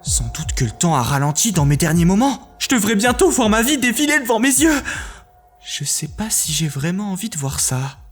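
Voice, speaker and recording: An actor playing a hapless young male smuggler in an audio drama, sarcastic, excitable and self-mocking. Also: high-pitched, normal speed, soft background music. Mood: wry, resigned. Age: young adult. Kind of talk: dramatised audio narrative, character acting.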